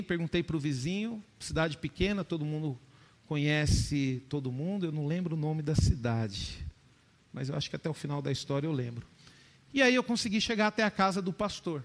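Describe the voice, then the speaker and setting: A man preaching a sermon, with a voice pitched a little high for a man. He tells a story to his congregation, keeps calling them dear ones, and climbs to loud, lifted peaks of emphasis. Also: expressive, brisk. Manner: storytelling, addresses the listeners as "dear ones" again and again. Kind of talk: sermon testimony.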